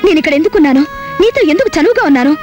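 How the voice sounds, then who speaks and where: A woman's voice: very high-pitched, animated, rapid-fire, darkish tone. An actress playing a fiery young unmarried woman who scolds sharply, in film dialogue over music. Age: young adult. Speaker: unmarried niece.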